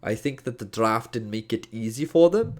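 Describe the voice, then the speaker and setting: A man's voice: medium pitch, expressive, moderate pace, darkish tone. Man, Welsh accent with a Scottish edge, mid-range voice; exasperated, jokey esports caster reviewing a match. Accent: Welsh, with a hint of Scottish. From Wales. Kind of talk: casual game review commentary.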